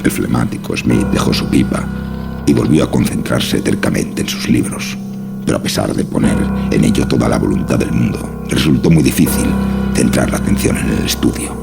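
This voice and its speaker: Man, horror audiobook narrator, rock-bottom pitch, thick gravelly fry, dramatic scripted reading. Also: moderate pace. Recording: voice over prominent music.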